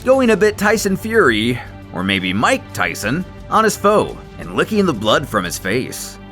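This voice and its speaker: A man's voice: mid-range voice, wildly swooping pitch, a little slow, a bit bright. A man narrating a scripted story in a dramatic, theatrical manner. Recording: music under the voice. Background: music.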